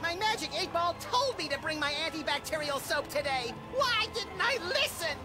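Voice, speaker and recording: An impulsive, manic rabbit-like sidekick from a game. The voice is very high and leaps wildly from note to note, with game music underneath. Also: male voice, moderate pace. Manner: excitable, impulsive, wild.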